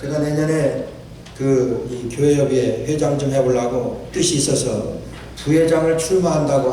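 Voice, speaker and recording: High-voiced man preaching in echoey church. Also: dark tone, a little hiss or hum. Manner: preaching with emphatic repetition and quoted scripture. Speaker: pastor. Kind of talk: sermon. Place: church sanctuary. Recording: echoey church hall from a distant mic.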